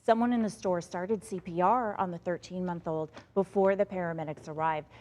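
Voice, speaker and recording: A woman's voice: on the low side, fairly even intonation, brisk, darkish tone. An American woman anchoring morning news in a TV studio, switching between news reading and chatty, conversational delivery. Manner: chatty, conversational, teasing asides. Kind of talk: broadcast news reading with playful co-anchor banter.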